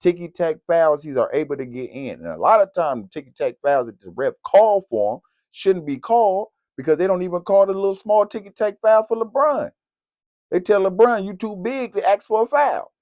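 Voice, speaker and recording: A man giving casual, slangy basketball commentary as a vlogger, in an animated, direct way. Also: high voice, normal speed, dry recording. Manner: animated, slangy, talks straight to camera. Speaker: sports vlogger. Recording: dull, lo-fi, dry recording.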